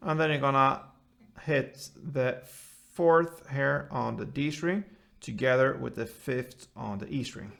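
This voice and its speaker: Slow, gravelly man teaching guitar. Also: mid-range voice. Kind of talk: step-by-step instrumental tutorial. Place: indoors, small room, seated with guitar. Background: acoustic guitar playing.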